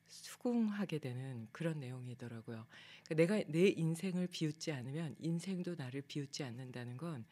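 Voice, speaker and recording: A woman who teaches meditation yoga, giving a casual talk in a soft, low-key way, her phrases trailing off quietly and turning higher and livelier when she acts out her own past complaints. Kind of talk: casual spoken talk on a daily theme.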